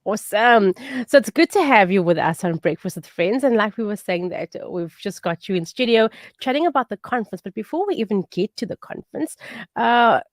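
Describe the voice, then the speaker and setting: A woman's voice: mid-range voice, lively intonation, brisk, no room sound, studio quality. Bubbly South African woman radio host. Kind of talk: live radio interview.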